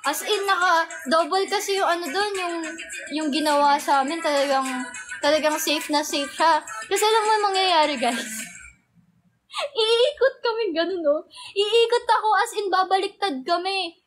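A woman's voice: extremely high pitch, normal speed. A young woman hosting a casual livestream, telling a story in a chatty way and giggling often. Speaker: livestream host. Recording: music playing in the background. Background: background music.

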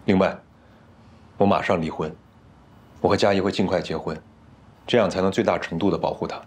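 A man in his thirties, apologetic yet determined. His voice is low and rough-edged, in serious television drama dialogue. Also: fairly even intonation, brisk. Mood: contrite, resolute. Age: 30s. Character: contrite but resolute man facing his lover's parents.

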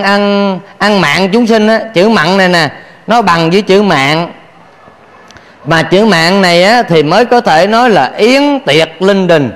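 High-voiced monk preaching. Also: male voice, a bit bright, big-room sound. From Vietnam. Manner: playful, asks the audience questions, laughs often. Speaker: Buddhist monk teacher. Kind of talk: dharma talk sermon.

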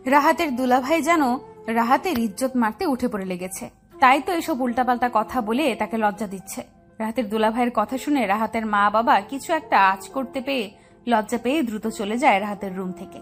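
A woman narrating a scripted family story in a steady, descriptive way. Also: on the high side, brisk, soft background music.

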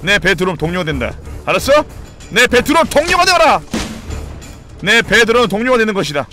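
A man's voice: high voice, lively intonation, rapid-fire, sharp tone. A man voicing a boastful, swaggering male pirate captain who bellows grand commands, with game music behind.

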